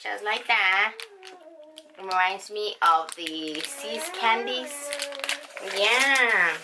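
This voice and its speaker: A woman reviewing products in a chatty vlog, with excited exclamations. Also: medium pitch, very slow, noisy background. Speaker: unboxing vlogger.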